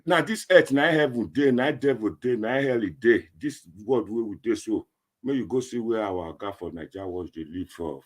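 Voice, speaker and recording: A man with a Nigerian accent giving informal commentary to online viewers in Nigerian Pidgin, rambling and emphatic, often repeating himself. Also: mid-range voice. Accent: Nigerian, speaking Nigerian Pidgin.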